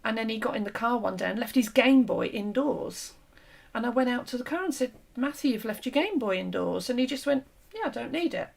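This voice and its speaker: A woman hosting an interview and talking through an idea in an earnest, explanatory way, her voice fading and a little hoarse. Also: a little high, animated, fairly quick, darkish tone. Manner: earnest, explanatory, with frequent fillers and restarts. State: losing her voice. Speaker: host. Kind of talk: conversational discussion.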